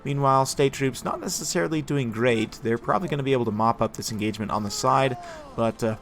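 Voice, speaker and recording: Hoarse man with a gravelly voice. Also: mid-range voice, quick pace, soft background music. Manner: chatty, relaxed, frequent "uh" fillers and laughs. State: hoarse from a cold. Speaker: game commentator. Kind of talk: casual strategy game commentary.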